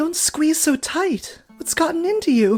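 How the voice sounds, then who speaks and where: In a put-on character voice, a man sounds squeaky and extremely high-pitched at a moderate pace, with faint music in the background. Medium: solo performance.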